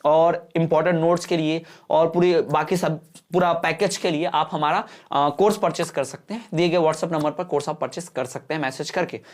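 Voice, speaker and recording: A man's voice: a little high, fairly even intonation, moderate pace. A male exam-prep teacher giving an online lesson in mixed Hindi and English, explaining patiently and often checking whether the students have understood.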